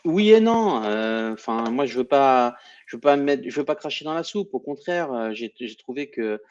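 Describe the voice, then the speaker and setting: Male stream host, casual and chatty, mid pitch, slightly muffled lo-fi sound. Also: animated, normal speed. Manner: chatty, warm welcomes, frequent restarts. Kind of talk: casual football debrief livestream.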